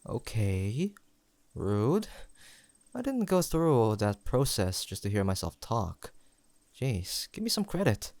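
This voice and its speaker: A young man playing a sentimental, teasing longtime best friend in an intimate audio roleplay, pausing for an unheard listener. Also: mid-range voice, sing-song, dry recording. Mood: playful teasing. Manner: soft-hearted, playful banter with pauses for an unheard listener.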